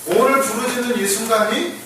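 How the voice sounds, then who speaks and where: Animated preacher in an echoey church. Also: male voice, very high voice, moderate pace, a little hiss or hum. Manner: animated, acts out the blind men's shouting, laughs often. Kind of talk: conversational sermon. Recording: echoey room, voice from far off the mic.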